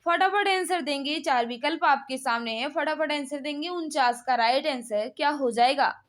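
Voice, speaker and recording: A woman teaching a live exam-prep quiz class, reading out questions and confirming answers with brisk, repeated set phrases. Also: sits high, a bit bright.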